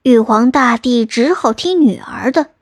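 A woman narrating a myth in a slow, gentle, clear storybook style. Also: fairly high pitch, animated, dry recording.

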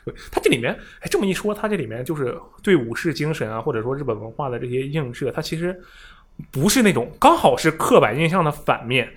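A man's voice: fairly high pitch, very animated, fast, slightly rough. A man in a casual conversation about a video game, reacting enthusiastically and summarizing what his co-host says.

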